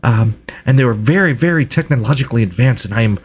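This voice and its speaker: A man voicing a nervous, excitable, oblivious researcher who stammers and eagerly repeats himself in a tabletop roleplay. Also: medium pitch, fast, lightly acted. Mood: excited, earnest.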